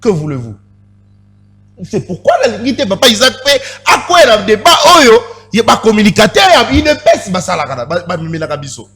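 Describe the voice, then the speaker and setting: Animated man arguing in a studio debate. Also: high-pitched, quick pace. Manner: insistent, repeats pleas for the floor, mixes French and Lingala. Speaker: panelist.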